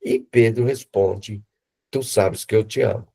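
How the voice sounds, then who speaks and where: A man's voice: lowish voice, a little slow, creaky, mellow, breathy edge. A man with a Brazilian Portuguese accent, a pastor teaching the Bible to a small group and explaining Greek words for love as he quotes scripture.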